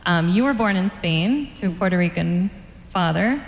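A woman moderator asks the guest careful, prepared questions at a live event. Her voice sits on the low side, and the roomy hall adds a long trailing reverb. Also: lively intonation, normal speed, creaky. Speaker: interviewer moderator.

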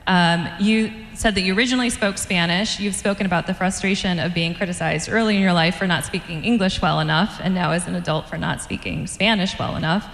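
A woman moderator asks the guest careful, prepared questions at a live event. Her voice sits on the low side, and the roomy hall adds a long trailing reverb. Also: a little fast, creaky, hardly any pauses, fairly bright tone. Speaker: interviewer moderator.

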